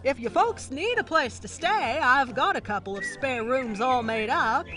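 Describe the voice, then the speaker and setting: A woman's voice: sits high, lively intonation, moderate pace, bright, forceful tone. A woman playing a friendly, hospitable small-town woman who talks in a folksy, welcoming way.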